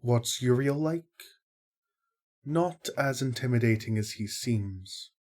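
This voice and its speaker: A man playing a kindly, fair-minded archangel in an audio drama, explaining things in a measured, wry way. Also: mid-range voice, animated, darkish tone. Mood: thoughtful.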